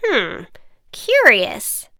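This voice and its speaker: A woman's voice: on the high side, huge pitch swings, extremely slow, gravelly, bright, forceful tone, no echo, clean studio sound, pitched above the performer's own voice, full character voice. Woman doing a know-it-all wicked witch healer. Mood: bossy, matter-of-fact. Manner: confident, matter-of-fact diagnoses.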